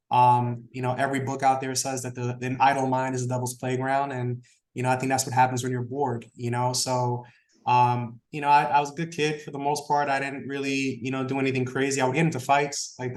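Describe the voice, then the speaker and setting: A man, a Spanish speaker, talking as an interview guest in a relaxed, rambling way full of fillers. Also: mid-range voice, reverberant. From Brooklyn, New York. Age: 30s. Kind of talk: casual interview talk.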